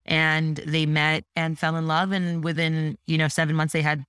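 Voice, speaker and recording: A woman from Canada whose first language is French, talking as an entrepreneur guest in a casual podcast interview, animated and chatty with lots of "like" and "you know". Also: low voice, normal speed, clean tone, no room sound, clean studio sound.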